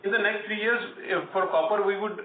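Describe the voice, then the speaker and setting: A man with an Indian accent answers questions as an executive on an investor call. His voice is on the higher side and he speaks haltingly, doubling back on words. The phone sound is thin and echoey, as if he sits away from the microphone. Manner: hesitant, halting, repeats words. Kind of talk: earnings conference call answers. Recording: tinny phone line, roomy echo, distant, noisy.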